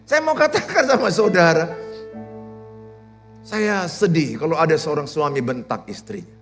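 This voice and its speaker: A man preaching a sermon as pastor, in an animated, teasing and humorous way. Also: on the high side, normal speed, soft background music. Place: church.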